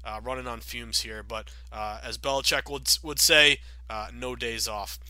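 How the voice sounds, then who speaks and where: A man in his thirties hosting a sports betting podcast, chatty and upbeat with many fillers, sounding a bit raspy from a cold. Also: medium pitch, fairly even intonation, moderate pace, pushed and bright, no room sound. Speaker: podcast host.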